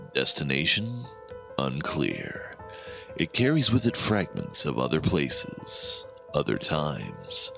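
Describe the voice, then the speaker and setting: A man playing an ominous, theatrical horror anthology host who narrates in portentous, deliberate phrases. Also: extremely low pitch, vocal fry, full character voice. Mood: ominous, grave. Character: ominous, theatrical host of a mysterious otherworldly radio signal. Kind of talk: scripted dramatic horror narration. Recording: music under the voice. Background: music.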